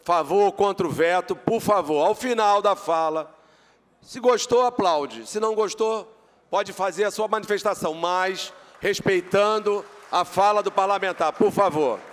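A man's voice: sits high, a little slow. Male session chair in a reverberant chamber. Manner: firm and procedural, repeats polite requests. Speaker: session president. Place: legislative chamber.

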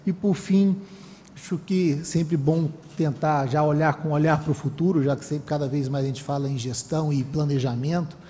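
A man in his thirties from Brazil giving a formal seminar speech at a panel table, measured, with frequent restarts. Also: on the high side, steady tone, warm tone. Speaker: panel speaker, council member. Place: conference room with panel table. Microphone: table microphone. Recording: long hall reverb, faint room noise.

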